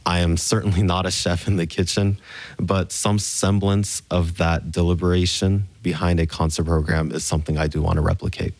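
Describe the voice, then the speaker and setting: A young man from Memphis speaks in a very deep, low voice, weighing his words with care. The sound is dry and close, with no room ring, as he answers questions in a radio studio. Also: little pitch movement, a little mellow, no echo. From Memphis, Tennessee, USA. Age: young adult. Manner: measured, thoughtful explaining. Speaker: concert pianist. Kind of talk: reflective interview answers.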